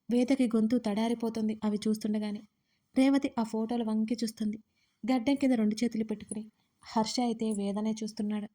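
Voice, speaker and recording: A woman narrates a dramatic audio story with a steady, measured reading. Her voice sits on the higher side, with a mellow, dark warmth.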